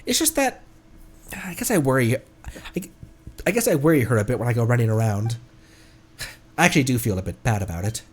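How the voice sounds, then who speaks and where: A man's voice: medium pitch, expressive, fairly quick, long pauses, voice pushed down, natural voice. A man voicing a polite, enthusiastic researcher from a fantasy game, chatty and courteous as he reads the dialogue aloud. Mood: apologetic.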